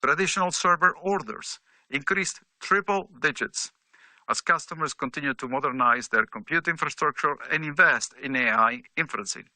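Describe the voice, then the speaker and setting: A man speaking as a company executive, reading a scripted corporate presentation in a formal, measured way with emphasis on key figures. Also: on the high side, sharp tone, dry recording, poor audio.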